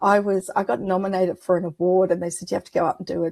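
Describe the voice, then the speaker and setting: The voice has an Australian accent. The sound is dry and close, with no echo. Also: woman. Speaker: akashic record reader and life coach. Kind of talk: casual chat. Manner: fast.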